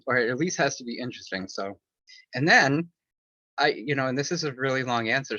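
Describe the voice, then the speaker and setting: Here a male author, a guest in an interview, rambles through his answer with plenty of fillers and false starts, speaking openly about his personal life. His voice sits in the mid-range and has a sharp tone. There's no room sound, and the recording is dry, dull, and lo-fi.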